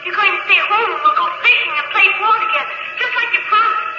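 A woman playing an eager, affectionate little boy with chirpy, breathless excitement in a 1950s radio drama. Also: very high voice, quick pace, heavy background noise. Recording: muffled radio recording with loud music.

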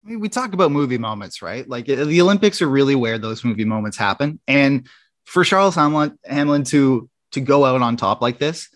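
A man's voice: medium pitch, lively intonation, brisk, no room sound, studio quality. A man, a guest sports writer, chatting enthusiastically with frequent restarts. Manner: enthusiastic, many restarts and stammers. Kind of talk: casual sports chat.

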